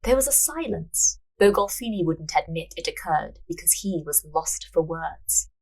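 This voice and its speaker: Lower-pitched, husky woman narrating stories. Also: lively intonation, normal speed, a little mellow, poor audio. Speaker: podcast host, writer and narrator. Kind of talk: story narration mixed with casual banter.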